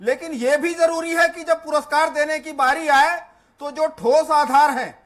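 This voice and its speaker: A man speaking formally as a panelist on a televised political debate, with halting restarts. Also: very high-pitched, fairly even intonation, a bit bright.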